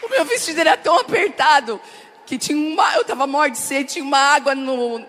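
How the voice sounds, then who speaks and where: Telling a personal story from the pulpit, this middle-aged female pastor talks directly to her listeners, laughing and crying with great animation. Her voice sits high and her pace is fairly quick.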